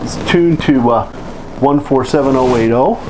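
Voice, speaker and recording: A man giving an informal hands-on how-to demonstration, halting as he thinks aloud. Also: medium pitch, darkish tone, low-quality recording. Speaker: electronics hobbyist presenting a how-to. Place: indoors, home office. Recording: hissy air-conditioner hum, amateur audio.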